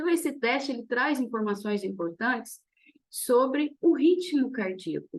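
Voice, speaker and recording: In a Minas Gerais accent, a woman speaks at a fairly slow pace with a high pitch and lively intonation. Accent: Minas Gerais (mineiro). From Brazil, Minas Gerais. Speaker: lecturer, exercise physiologist. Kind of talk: lecture. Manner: hesitant, many filler words.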